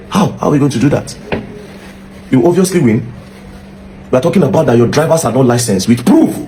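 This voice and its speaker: A man's voice: medium pitch, a little mellow, a little hiss or hum. A man with a Nigerian accent delivering an impassioned rant, firing off indignant rhetorical questions. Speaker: social commentator.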